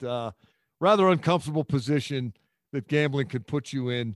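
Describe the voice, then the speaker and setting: A man with an American accent and a normal speaking voice, fairly high in pitch with ordinary pitch variation and a fairly quick pace, on a very clean recording with a silent background and a dry, close sound with no echo. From Philadelphia, US. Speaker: sports broadcaster. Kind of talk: casual chat.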